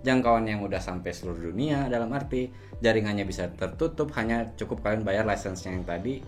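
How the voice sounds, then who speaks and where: A man's voice: fairly low pitch, animated, fairly quick, a little mellow, faint music behind. A man hosting a product review, explaining things in an informal, conversational way. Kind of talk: casual scripted-feel gadget review to camera.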